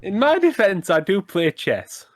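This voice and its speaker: A man's voice: high voice, big pitch swings, measured pace, no echo, studio quality. A man co-hosting a gaming podcast, talking casually in rambling, self-correcting sentences and swearing now and then. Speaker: podcast co-host.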